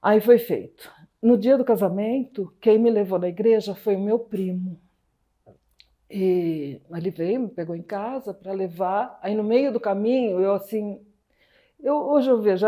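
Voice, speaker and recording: A woman telling her own life story in a soft, hesitant, reflective way. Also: medium pitch, moderate pace. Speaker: storyteller recounting her marriage. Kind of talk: personal testimony.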